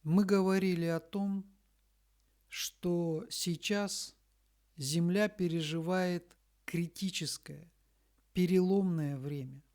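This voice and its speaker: A woman reading a scripted spiritual message in a solemn, deliberate manner, breaking it into short phrases with long pauses. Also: lowish voice, steady tone, darkish tone. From Russia.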